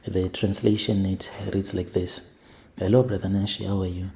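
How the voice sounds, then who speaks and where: A man hosting and narrating a listener's confession as a story, in a deliberate, plain manner. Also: sits low, level tone. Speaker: host and narrator.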